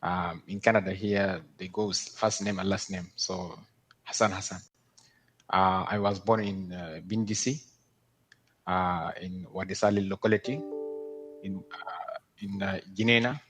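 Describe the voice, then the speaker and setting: A man in his twenties, from Darfur, giving careful, halting testimony as a witness over a video call. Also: low voice, steady tone, fairly bright tone, soft background music. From Sudan, Darfur. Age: 20s.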